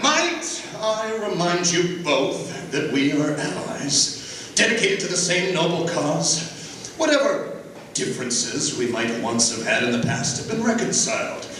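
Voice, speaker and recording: A man's voice: fairly high pitch, very animated. A man voicing a noble, earnest robot warrior with a pompous, formal, grandiose manner in a cartoon style. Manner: grandiose, formal, halting deliberation. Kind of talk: live dramatic script reading, cartoon character acting. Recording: very echoey hall, distant mic, background noise.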